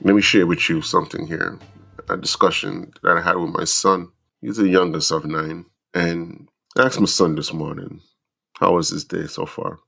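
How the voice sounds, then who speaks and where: A man's voice: low-pitched, fairly even intonation, gravelly, a bit bright, breathy edge, faint music behind. A middle-aged man with a stuffy, congested voice, hosting a podcast and speaking earnestly to fathers in a reflective monologue. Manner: earnest, preachy, slow deliberate lists. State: stuffy from the flu. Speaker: podcast host.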